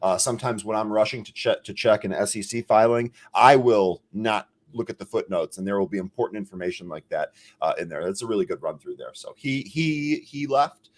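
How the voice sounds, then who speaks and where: A man's voice: lowish voice, brisk, few pauses. A man co-hosting a live trading show, talking candidly and loosely about filings and chat comments. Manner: relaxed, candid, with many fillers. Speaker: stock trading show co-host. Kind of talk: casual chat.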